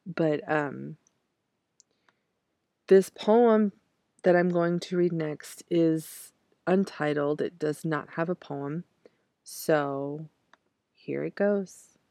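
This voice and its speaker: Slow, raspy-voiced woman reading poems. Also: low voice, dark tone, no room sound, studio quality. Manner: hesitant, many fillers and restarts. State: raspy from clearing her throat. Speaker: podcast host reciting her poems. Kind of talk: poetry reading and casual reflection.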